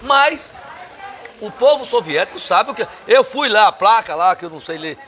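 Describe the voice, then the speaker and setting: A man from Northeast Brazil, with a Northeastern accent, is a guest in a casual bar interview. His voice is high-pitched, animated, and a bit bright at a moderate pace, and he comes across as emphatic and combative, with salty language.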